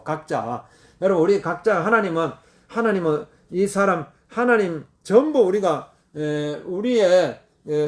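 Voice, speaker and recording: Lively high-pitched Korean preacher man. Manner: repetitive, emphatic preaching with sudden loud exclamations. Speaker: pastor. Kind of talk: sermon.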